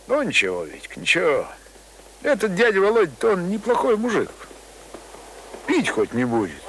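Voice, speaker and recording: An actor playing a rough but kindly middle-aged village man in a radio play, muttering and sighing in speech. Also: mid-range voice, a bit bright. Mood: consoling, resigned. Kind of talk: Russian radio play acting. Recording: noisy radio drama recording.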